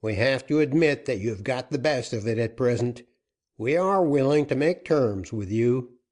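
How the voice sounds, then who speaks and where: A man voicing a commanding outlaw captain in a storybook reading, loud and forceful. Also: mid-range voice, animated, moderate pace, voice pushed up, natural voice.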